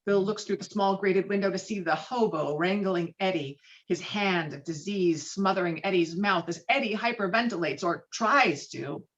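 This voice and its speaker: Woman narrating a script at an online table read, expressive storyteller style, kinda dull lo-fi sound. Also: mid-range voice, moderate pace, few pauses. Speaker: stage directions reader at a table read. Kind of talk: dramatic screenplay narration. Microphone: video call.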